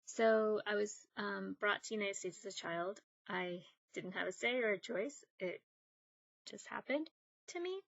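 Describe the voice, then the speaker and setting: A young woman from northern Mexico whose first language is Spanish, talking casually and thoughtfully to camera as a book vlogger, with frequent ums and pauses. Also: medium pitch, vocal fry, dry recording, highs cut off. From Monterrey, northern Mexico. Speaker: booktuber.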